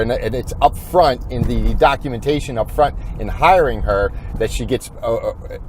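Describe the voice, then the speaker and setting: Guy doing a casual corporate training video, kinda rambling and halting, medium pitched voice, thinking out loud. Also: slight background noise. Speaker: insurance agent giving training.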